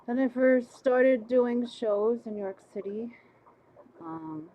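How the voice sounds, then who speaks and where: A woman with a small, squeaky voice hosting a casual livestream, chatting, laughing easily and reading viewer comments aloud. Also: fairly even intonation, takes it slowly. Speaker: livestream host. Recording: slightly muffled lo-fi stream audio.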